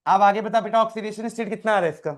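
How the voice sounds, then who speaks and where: Speaking rapid-fire in a voice that sits high, a man teaches chemistry in a live classroom tutoring session. He calls on students by name to quiz them and keeps repeating key terms.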